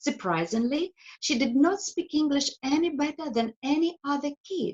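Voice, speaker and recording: This woman's voice is high in pitch, with lively intonation. She speaks at a fairly slow pace. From Ukraine. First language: Ukrainian and Russian. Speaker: language school owner. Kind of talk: interview.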